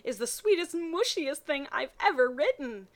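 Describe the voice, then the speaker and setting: An excitable young amateur author, as a woman reader puts her on, speaks in a high, eager voice. The delivery is gushing and earnest, made for a fan fiction reading. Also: normal speed.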